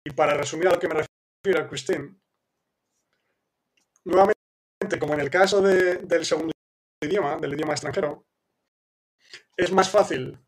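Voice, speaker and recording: A man's voice: a little high, slightly rough. A man who speaks Spanish as his first language, hosting a live question-and-answer session, thinking aloud with many restarts and fillers and checking in with his listeners.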